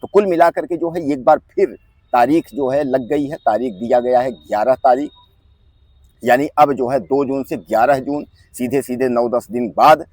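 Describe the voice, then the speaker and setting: A man giving direct-to-viewer news commentary, talking to the audience as friends, repeating his points insistently and often filling pauses with a habitual filler phrase. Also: medium pitch, a little mellow, no echo. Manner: keeps inserting the filler "jo hai".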